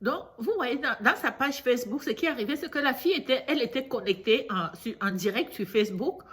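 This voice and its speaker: High-voiced woman vlogger with a cold. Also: animated, fairly quick, a bit bright. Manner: chatty, repeats and restarts, grows indignant and lecturing. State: congested from a cold. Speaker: YouTuber telling a news story. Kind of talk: casual storytelling monologue to camera.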